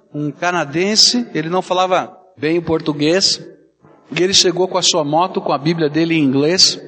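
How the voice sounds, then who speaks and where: A man's voice: sits high, long reverb tail. A Brazilian man preaching a sermon as a pastor, telling stories and acting out the people in them. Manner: animated storytelling, acting out quoted voices.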